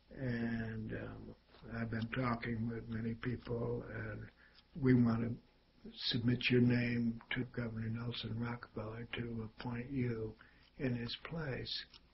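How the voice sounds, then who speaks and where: A man at a fairly slow pace, monotone and flat in intonation, over light background noise. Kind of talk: oral history interview answer. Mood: wry, dryly humorous. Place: office.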